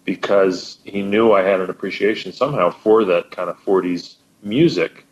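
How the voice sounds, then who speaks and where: A man who is a musician, a guest telling stories in animated casual chat. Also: deep voice, moderate pace. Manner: animated storytelling. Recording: dull, lo-fi line.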